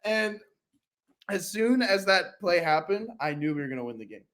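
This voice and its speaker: A man co-hosting a casual sports podcast, talking fast and rambling, and his voice jumps high when he retells big plays. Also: sing-song, a bit bright. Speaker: podcast co-host.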